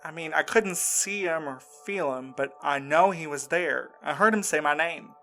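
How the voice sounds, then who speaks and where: A man acting in an audio drama as a shaken, insistent man recounting a frightening ordeal in a halting, earnest way. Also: fairly high pitch, pushed and bright, soft background music. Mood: insistent, defensive.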